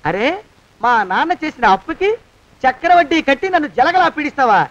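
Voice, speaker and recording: High-voiced pestering servant, blackmailing his boss, nagging and needling, film comedy scene. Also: big pitch swings, brisk, a bit bright, no echo, lo-fi sound, exaggerated voice. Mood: scolding. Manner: nagging, keeps pestering with a repeated question. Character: scheming male servant turned blackmailer.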